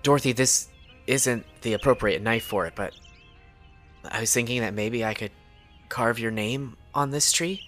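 A woman's voice: extremely low pitch, normal speed, fairly bright tone, faint music behind. A woman playing a prim, earnest and awkward teenage Boy Scout in a tabletop audio drama, formal and stammering. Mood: nervous pride.

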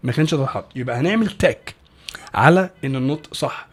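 A man with an Egyptian Arabic accent, a guest teaching English pronunciation in a casual podcast talk, animated and full of restarts. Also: medium pitch, husky. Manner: animated, fast, many restarts and repeated words.

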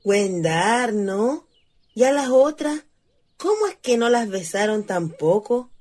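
A woman's voice: a little high, very animated, slow, darkish tone, heavily acted. An actress playing a young rural Chilean ghost girl in a radio play, wistful and cheeky, with a dreamy girlish manner. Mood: cheeky, teasing. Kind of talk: radio theatre acting.

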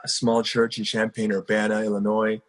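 Husky-voiced young pastor man. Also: fairly low pitch, monotone, moderate pace. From South Korea. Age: 20s. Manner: earnest, conversational, heavy on fillers. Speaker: pastor and guest. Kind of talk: casual interview storytelling.

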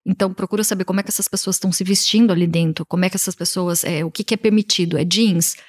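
A Brazilian woman with a Brazilian Portuguese accent, an image consultant answering interview questions in an animated way, often voicing what her clients say. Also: lowish voice, very fast. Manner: animated, talks in quoted client voices.

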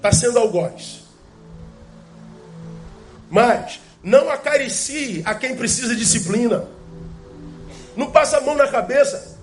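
A man delivers a sermon in a notably high voice. He presses his points with rhetorical questions and slows down to repeat key phrases. Faint music sits low behind him. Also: animated. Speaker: pastor.

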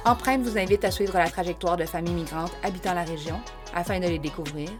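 A woman reading a scripted show introduction, slow and deliberate. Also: lowish voice. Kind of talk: scripted narration. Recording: voice-over under loud music. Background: loud music.

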